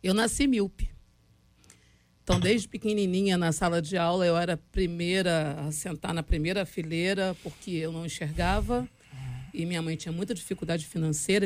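A woman's voice: fairly low pitch, darkish tone, no room sound. A woman telling an earnest personal story on a church talk panel.

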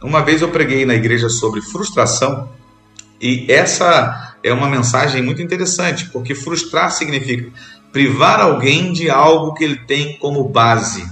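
A man from Brazil preaching a sermon as a bishop, earnest, repeating phrases for emphasis and pausing between them. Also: medium pitch, bright, forceful tone, roomy sound, faint music behind.

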